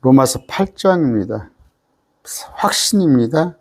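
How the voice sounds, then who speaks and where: A man's voice: mid-range voice, expressive, unhurried, darkish tone, slight background noise. A male pastor with a Jeolla accent, preaching an emphatic, folksy Bible study sermon full of rhetorical questions. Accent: Jeolla Korean.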